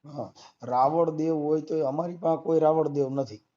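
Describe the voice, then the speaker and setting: Over a muffled, lo-fi phone line, a Gujarati-accented man with a higher, dark-toned voice argues at a moderate pace. His intonation stays fairly even while he pushes back combatively and insistently, firing off repeated rhetorical questions.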